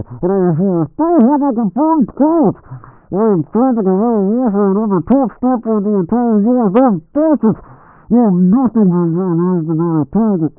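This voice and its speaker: A young man performs an angry gas-masked pyromaniac from a video game. The voice is high and heavily muffled, garbled into a threatening rant. It sounds band-limited like a radio, and very dry. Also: no room sound, natural voice. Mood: indignant. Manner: ranting, threatening. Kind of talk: video game character impression.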